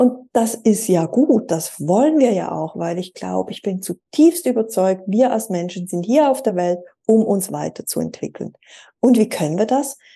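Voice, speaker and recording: This woman talks at a fairly slow pace and a medium pitch, with lively intonation. Her tone is dark and mellow, with vocal fry. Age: 40s. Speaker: dating mentor for single women, former HR manager. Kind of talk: interview conversation.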